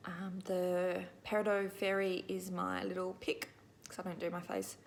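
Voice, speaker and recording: A woman's voice: mid-range voice, fairly bright tone, a little hiss or hum. A middle-aged Australian woman hosting a crafting video, chatting casually to viewers in an informal, rambling, self-deprecating way.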